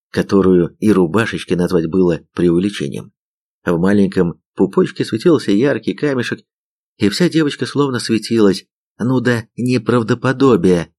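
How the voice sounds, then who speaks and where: Male audiobook narrator, low voice, even and wry delivery. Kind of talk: scripted narration.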